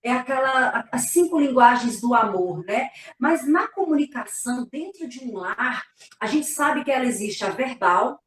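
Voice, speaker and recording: A woman's voice: fairly high pitch, lively intonation, moderate pace, far from the mic. A woman, a pastor, explaining earnestly in a casual church live talk, often ending phrases with a tag question. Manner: earnest, explanatory, frequent "né?" tags. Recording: echoey room, voice from afar.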